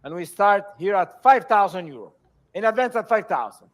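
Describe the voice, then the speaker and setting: A man working as an auctioneer, calling bids in a repetitive, measured way and formally presenting each lot. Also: high voice, animated. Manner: auctioneer delivery, repetitive, measured bid calls.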